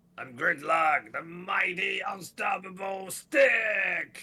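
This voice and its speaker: A man shouts in a raspy, put-on character voice pitched high, dragging his words out at a very slow pace. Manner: heroic, boastful.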